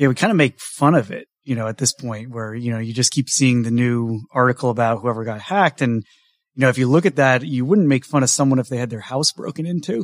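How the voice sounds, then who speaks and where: In an ordinary speaking voice, a man talks at a fairly quick pace and medium pitch, the sound dry and close with no echo on a very clean recording with a silent background. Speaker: cybersecurity company founder. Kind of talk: interview.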